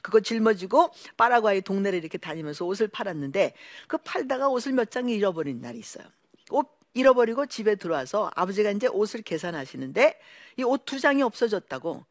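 A Korean-born woman giving an emotional personal testimony to an audience, telling her story in an animated way and acting out the voices of the people in it. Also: medium pitch, fast talker, no room sound.

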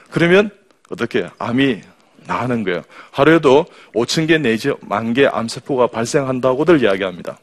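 A man, a surgeon and professor, gives a lively talk to an audience in an ordinary mid-range voice. He reels off rhythmic word lists, drops jokes and pushes the crowd to react and repeat after him. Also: mid-range voice. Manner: jokey, rhythmic word lists, quotes patients in their voices. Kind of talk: humorous health talk to an audience.

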